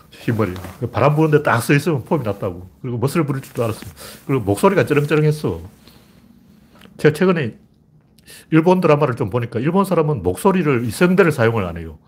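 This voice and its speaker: An older man giving a rambling, blunt, rough-spoken commentary monologue in a casual way. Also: mid-range voice.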